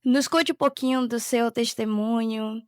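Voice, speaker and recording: A woman hosts a podcast in a casual, welcoming chat. Her voice is clearly high-pitched, recorded dry with little room sound. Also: fairly even intonation, measured pace, dry recording. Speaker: podcast host.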